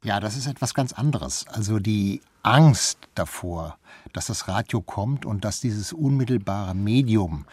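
A man's voice: lowish voice, a little mellow, husky, no echo. A man speaking as an expert interview guest, explaining things in detail with examples.

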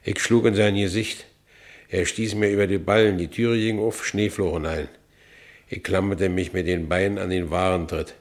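A man's voice: low voice, steady tone, moderate pace, lightly acted. An actor playing a battered, one-armed ex-convict who tells his own story in a radio play, wry and blunt, in German-accented speech. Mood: grim, wry. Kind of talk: first-person radio play narration.

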